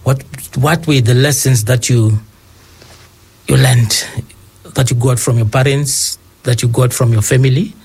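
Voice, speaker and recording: Male interviewer, husky, restarts his questions often, pitch in the middle. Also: fairly even intonation, darkish tone. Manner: halting, restarts questions, frequent mm-hmm.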